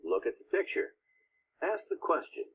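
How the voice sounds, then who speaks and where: A man reading scripted textbook audio prompts, slowly and carefully enunciated. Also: on the high side, sing-song, creaky, a bit bright, breathy edge, rough recording.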